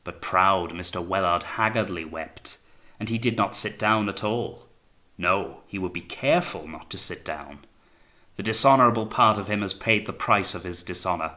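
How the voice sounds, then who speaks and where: A man acting a forceful, paranoid navy captain. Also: deep voice, normal speed. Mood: sneering, taunting. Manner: theatrical, accusing, taunting, swings from quiet menace to blaring. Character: paranoid, sneering, tyrannical male naval captain, raging and suspicious. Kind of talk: dramatised audiobook reading of sea fiction.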